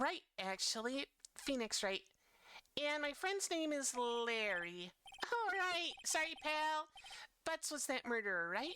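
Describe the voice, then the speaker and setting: Using a put-on character voice, a woman speaks high-pitched at a fairly slow pace, her pitch swinging very widely between long, frequent pauses. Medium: game stream.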